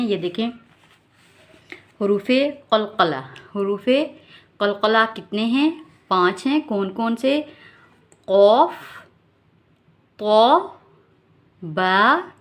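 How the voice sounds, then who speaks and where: A woman teaching Quran reading rules, patiently spelling out letters and repeating sounds slowly so learners can follow. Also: on the high side, fairly bright tone. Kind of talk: tajweed lesson, slow drilled recitation.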